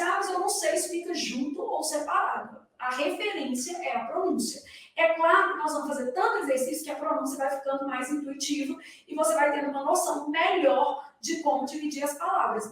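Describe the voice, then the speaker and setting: A woman's voice: sits high, brisk. A woman with a Brazilian accent who teaches grammar to exam candidates. She explains in a didactic way and keeps asking her class rhetorical questions. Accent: Brazilian Portuguese. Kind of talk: recorded lecture for exam candidates. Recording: echoey room, voice far from the mic.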